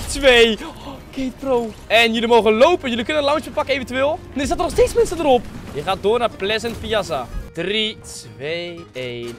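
A man, giving excitable live gameplay commentary in slangy speech sprinkled with English gaming words, close on a desk mic. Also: extremely high pitch. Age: 20s. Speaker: game streamer hosting an online hide-and-seek. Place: small room at a gaming desk, indoors. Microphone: close desk microphone.

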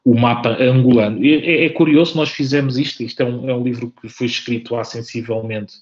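Guy giving an informal author talk, kinda even tone, keeps repeating words, dull call audio. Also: medium pitch, brisk. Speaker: author presenting his book at a debate. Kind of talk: informal presentation. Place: indoor room on a video call. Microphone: video-call microphone.

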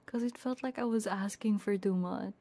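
A woman livestreamer chatting casually with viewers in a giggly, bantering way, often slipping into soft ASMR whispers. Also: mid-range voice, normal speed.

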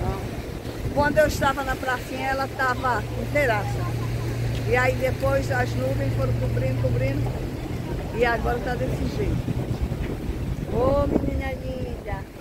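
A woman, chatting casually to viewers while walking along a seaside promenade at night, holding the camera at arm's length. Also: fairly high pitch. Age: 60s. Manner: chatty, pointing things out to viewers while strolling. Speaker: vlogger. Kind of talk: casual walking vlog narration. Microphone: camera held at arm's length. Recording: loud wind and traffic noise outdoors.

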